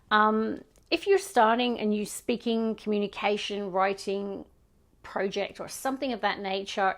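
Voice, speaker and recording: Hoarse Scottish woman with gravelly creak. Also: medium pitch. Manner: chatty and reassuring, often clearing her throat. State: hoarse, losing her voice. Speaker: tarot reader. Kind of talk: casual tarot reading to camera. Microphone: microphone.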